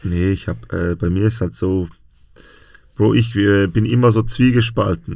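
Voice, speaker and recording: Speaking fairly slowly with long, frequent pauses, a man with a fairly low pitch shows very wide pitch swings. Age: 30s. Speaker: stand-up comedian. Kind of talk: casual chat.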